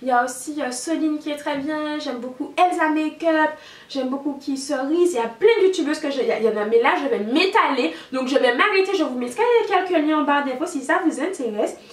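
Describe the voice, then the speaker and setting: Noticeable background noise sits under the voice. The delivery is fairly quick, with ordinary pitch variation. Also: woman, high pitch for a woman. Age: 20s. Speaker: beauty youtuber. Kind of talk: casual vlog tag, unedited. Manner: very fast; mumbling, stumbling over words.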